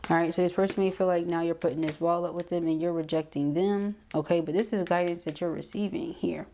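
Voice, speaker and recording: Woman, slightly low pitch, soft dark tone, casual intuitive card reading, conversational, frequent check-in tags. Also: steady tone, fast talker, slight background noise. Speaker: tarot card reader.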